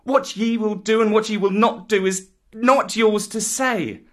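A man's voice: sits high, unhurried, fairly bright tone, pitched above the performer's own voice. A man voicing a proud young jungle boy in a storybook, defiant and commanding, with declamatory archaic speech. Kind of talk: dramatic storybook reading.

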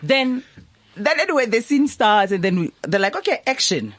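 A man's voice: very high voice, expressive, moderate pace, no echo. A young man, co-hosting a podcast, telling stories playfully and hyping up guests like a preacher. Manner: playful, storytelling, mock-preaching hype. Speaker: podcast co-host. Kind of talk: casual podcast banter.

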